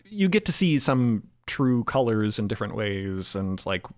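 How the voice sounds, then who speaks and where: A man speaking reflectively and a bit haltingly as a podcast creator in a casual roundtable discussion. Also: fairly low pitch, very animated, no room sound, clean studio sound.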